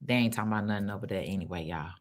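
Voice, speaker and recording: A woman with a deep bass voice and a Chicago accent talks very fast while hosting a casual livestream from her phone. She answers viewer comments bluntly in slangy, animated chat and calls them baby.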